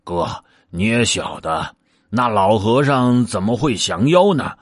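A man's voice: fairly low pitch, animated, unhurried, dry recording, clean studio sound. A man doing a sly, coaxing pig disciple. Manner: coaxing, pleading, hesitant fillers.

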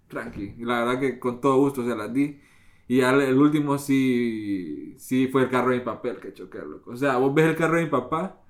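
Young man, casual podcast chat, relaxed slangy storyteller, mid pitch. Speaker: podcast host.

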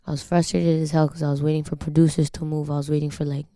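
A woman's voice: deep voice, little pitch movement, fast, dark tone, no room sound, clean studio sound. A young woman from Canada whose first language is Spanish, talking candidly as an interview guest, slangy and swearing freely. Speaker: guest singer. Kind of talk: casual interview talk.

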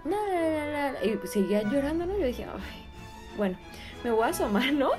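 A woman with a Mexican accent telling a ghost story as a podcast co-host, animated and laughing often. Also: high-pitched, moderate pace, music in the background. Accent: Mexican Spanish.

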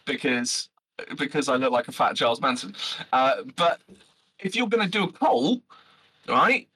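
A man, a loud and brash podcast guest talking passionately with lots of fillers and some swearing. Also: mid-range voice, moderate pace, breathy edge, rough recording. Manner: animated, swears freely, many fillers. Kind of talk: passionate casual chat.

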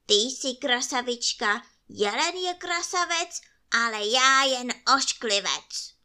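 Woman doing a squeaky grumpy forest imp. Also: lively intonation, bright, forceful tone, smooth, exaggerated voice. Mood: grumbling. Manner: cross, scolding. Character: grumpy prickly little male forest imp. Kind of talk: bedtime storytelling.

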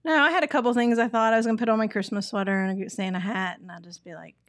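A woman's voice: a little high, fairly even intonation, fast talker, no echo, clean studio sound. A married woman chatting playfully on a morning show, giggling often. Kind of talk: casual studio chat.

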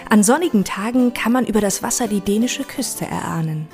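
A woman's voice: mid-range voice, lively intonation, brisk, darkish tone. A woman reading scripted narration for an audio walk, with guitar music behind her.

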